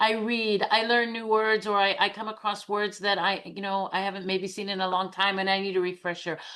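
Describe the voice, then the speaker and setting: Noticeable background noise sits behind a woman talking at a medium pitch and a fairly quick pace. Her intonation is monotone and flat, with hardly any pauses. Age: old. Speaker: English teaching lecturer. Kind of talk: online teacher training session.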